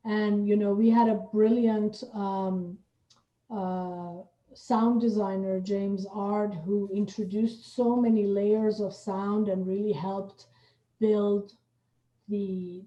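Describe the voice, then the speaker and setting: Slow-speaking woman host in a roomy space. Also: mid-range voice, mellow. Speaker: host and radio play director. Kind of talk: moderated panel conversation. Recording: roomy, distant, dull video-call audio.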